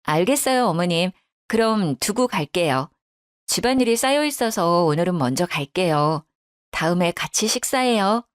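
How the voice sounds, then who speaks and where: Woman doing a dutiful daughter-in-law, polite and deferential, lively pitch, dry. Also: normal speed, no echo, lightly acted. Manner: politely deferential, bursts into sharp protest.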